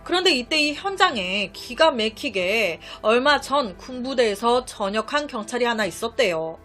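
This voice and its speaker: High, lively woman telling a true-crime story. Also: moderate pace. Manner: chatty, conversational asides to listeners. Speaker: storytelling YouTuber. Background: faint background music.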